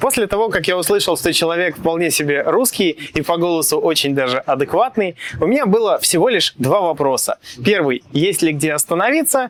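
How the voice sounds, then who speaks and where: This man's voice is high in pitch and fairly quick. The sound is dry and close with no echo. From Russia. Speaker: motorcycle mechanic and video blogger. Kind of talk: personal storytelling monologue. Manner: casual, with hesitations.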